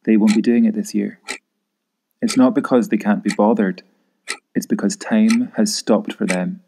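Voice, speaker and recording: Man, low mellow voice, sober public safety announcement, grave, measured. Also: steady tone, slight background noise.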